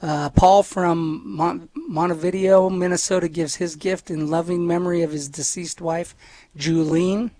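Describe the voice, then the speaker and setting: A man with a slightly high voice for a man reads donor names and giving levels on live radio. His sound is dry and close, and he fills the gaps with "uh". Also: fairly even intonation, a little slow, mellow, dry recording. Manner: reads lists with frequent "uh" fillers. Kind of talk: live radio fundraising talk.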